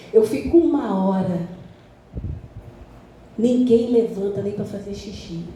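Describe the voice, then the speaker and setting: A woman missionary preaching a lively sermon in a church with a Brazilian accent, asking the congregation direct questions. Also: on the high side. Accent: Brazilian Portuguese. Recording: very echoey church hall, faint noise.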